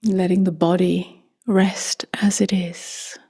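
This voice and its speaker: A woman speaking softly and gently in a near-whisper as she guides a meditation, unhurried, with long pauses. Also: fairly low pitch, level tone. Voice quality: soft, breathy, near-whispered. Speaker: meditation teacher.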